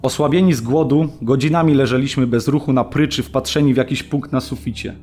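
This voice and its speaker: An actor playing a weary, often-jailed political prisoner, giving a measured, descriptive monologue in a radio documentary drama. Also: male voice, mid-range voice, darkish tone, faint music behind, lightly acted. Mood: sombre, weary.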